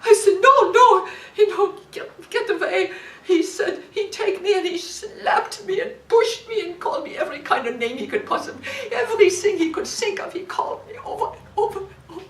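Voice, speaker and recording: A woman acting a war widow, speaking broken, halting English and often hunting for words. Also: extremely high pitch, expressive. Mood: agitated. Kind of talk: dramatic monologue. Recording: echoey room, distant mic, faint hiss.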